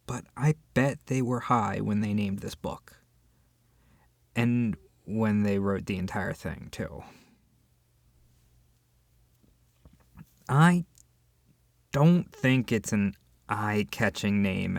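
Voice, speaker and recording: A voice actor playing an irritated book club member ranting in a one-sided roleplay, exasperated and sarcastic with dramatic pauses. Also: mid-range voice, animated, creaky, darkish tone, no echo. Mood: exasperated disbelief.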